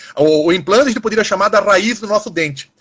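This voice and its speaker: Bright and sharp in tone, the man's voice sits at a high pitch. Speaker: guest professor of dental prosthetics. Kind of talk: live-stream teaching talk. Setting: Instagram live video call. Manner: fast; fluid.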